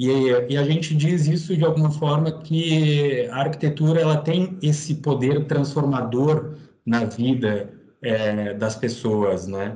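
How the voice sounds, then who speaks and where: A man's fairly high, dark, mellow, somewhat breathy voice at a very slow pace, with ordinary pitch variation and audible room echo. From Rio Grande do Sul coast, southern Brazil. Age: 30s. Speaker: interior designer. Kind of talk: interview.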